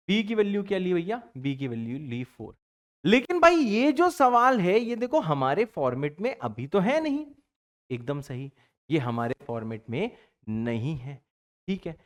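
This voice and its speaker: Male math tutor, fairly high voice, swinging pitch, chatty catchphrases, drops low when playing the student. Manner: plays both teacher and student in his own voice; chatty, fond of catchphrases like "bachcha party". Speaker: math teacher. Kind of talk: exam-prep math lecture.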